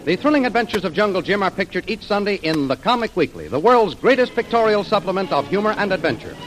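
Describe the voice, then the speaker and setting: A man's voice: high voice, big pitch swings, quick pace, fairly bright tone, rough recording. Old-time radio announcer guy, formal and declaiming, music under him. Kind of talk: scripted radio narration.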